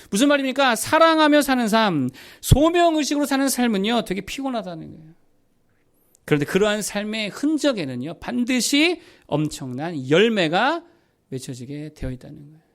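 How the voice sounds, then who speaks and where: A man's voice: sits high, very animated, normal speed. A male pastor preaching a sermon, asking rhetorical questions and answering them himself, building to emphatic peaks. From South Korea.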